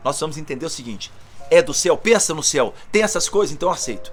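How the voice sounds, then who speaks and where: A man speaks at a very fast pace with a high pitch and lively intonation. Noticeable background noise runs underneath. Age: 60s. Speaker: pastor. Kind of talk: sermon.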